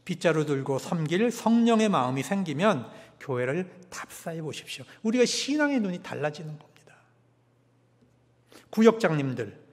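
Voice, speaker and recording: A male pastor preaching a sermon, emphatic, swinging from loud peaks to hushed drops. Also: high-pitched. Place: church sanctuary. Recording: long church hall reverb.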